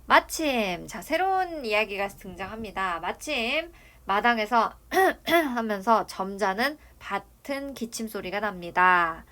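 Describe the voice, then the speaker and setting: A woman's voice: medium pitch, pushed and bright. A woman teaching a literature lesson, explaining a novel and asking rhetorical questions. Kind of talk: classroom lecture on a novel.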